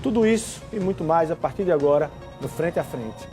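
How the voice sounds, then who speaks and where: A man's voice: fairly high pitch, lively intonation, brisk, music in the background. A man presenting a live political interview show as its host.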